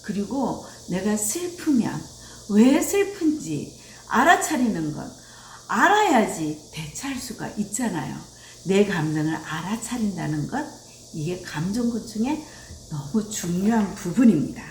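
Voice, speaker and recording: Animated woman lecturing in a roomy space. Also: medium pitch, unhurried, a little hiss or hum. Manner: animated, acts out quoted dialogue. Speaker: parenting educator. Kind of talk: lecture on child rearing. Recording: roomy echo.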